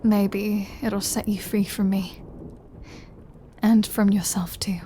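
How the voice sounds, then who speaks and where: A woman playing a lonely, tender immortal vampire lover in an intimate audio roleplay, her voice breathy and often half-whispered, with an emotional delivery. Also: medium pitch, level tone, a little hiss or hum, natural voice. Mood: melancholy, tender. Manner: slow, hushed, emotional delivery with long pauses.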